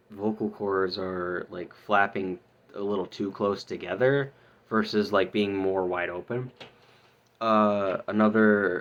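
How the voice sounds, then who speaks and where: A man talking casually in a practice diary, explaining things in a halting, rambling way. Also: lowish voice, dull audio. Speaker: student vlogger learning harsh vocal technique.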